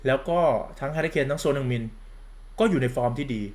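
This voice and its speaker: A man's voice: mid-range voice, moderate pace, darkish tone. A campy man gives a sarcastic, crude-mouthed football commentary rant, calling himself big sister. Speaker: football vlogger.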